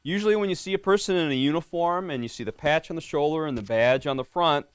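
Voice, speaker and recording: A man's voice: on the high side, fast talker, clear, resonant tone, dry recording. A middle-aged man, a police lieutenant, reading a picture book to a class of schoolchildren in a friendly way and often quizzing them. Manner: friendly, quizzing the kids, often asks "right?".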